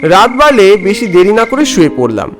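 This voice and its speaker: Animated male storyteller, music behind. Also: high-pitched, fairly quick. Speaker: narrator and voice actor of an animated horror story. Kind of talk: dramatic first-person story narration.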